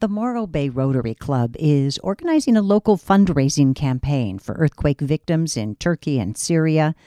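A woman hosting a radio show, reading the script smoothly and clearly. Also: deep voice, lively intonation, normal speed, warm tone, no echo, studio quality. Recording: radio show with music bed.

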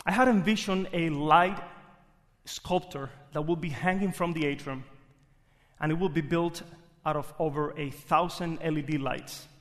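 A man's voice: on the high side, moderate pace. Cuban-accented man telling a story onstage. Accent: Cuban Spanish. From Cuba. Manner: earnest, shifts between soft reflection and bursts of excitement. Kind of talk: live stage storytelling. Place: theater stage. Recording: live theater with hall reverb.

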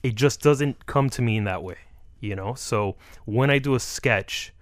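A man with a Miami Cuban-American accent talks as a comedian guest in a casual radio interview. He is joking and slangy, with a medium-pitched voice recorded close and dry. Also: unhurried, dry recording. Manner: joking, slangy, says dude and bro. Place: radio studio. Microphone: close studio microphone.

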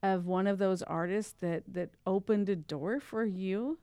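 A woman's voice: medium pitch, unhurried, mellow, smooth, no echo, studio quality. A woman hosting a radio interview, drawing her guests out with encouraging questions. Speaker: radio host.

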